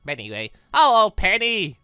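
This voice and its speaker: A gaming YouTuber giving casual, rambling, expressive let's play commentary on a visual novel, speaking emphatically. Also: mid-range voice, normal speed, clean tone, no room sound, clean studio sound. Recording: game music playing behind voice. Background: visual novel game music.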